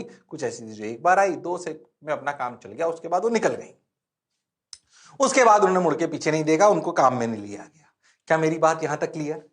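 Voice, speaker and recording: A male physics teacher giving a lively exam-prep lecture, repeating questions to his students. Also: fairly high pitch. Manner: animated, playful, repeats questions to the class.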